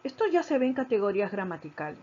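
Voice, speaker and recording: A woman teacher giving a recorded grammar lesson, explaining slowly, stressing key syllables and repeating her points. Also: medium pitch, big pitch swings, warm tone. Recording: dull lo-fi recording.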